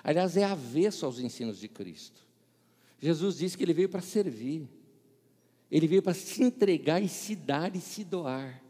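Middle-aged male pastor, lively high voice, storyteller who acts out dialogue, booming church hall. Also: measured pace, husky. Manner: animated storyteller, acts out dialogue, laughs at own jokes. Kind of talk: sermon with humorous anecdotes.

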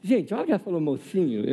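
Lively pastor in his fifties, echoing hall. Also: high voice, vocal fry, a little hiss or hum. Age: 50s. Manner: conversational, humorous, often asks the audience. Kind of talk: sermon with personal story.

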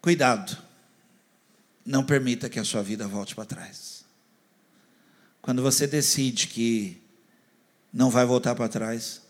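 A man preaching a sermon who swings between loud, animated urging and soft, close appeals, often putting questions to the congregation. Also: medium pitch. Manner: addresses the congregation directly, asking questions.

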